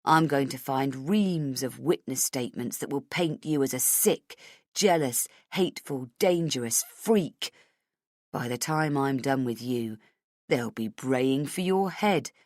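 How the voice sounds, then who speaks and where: Menacing older police chief, male, played by a woman, low and hushed, dry close sound. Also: expressive, a little slow, dry recording. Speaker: voice acted by audiobook narrator.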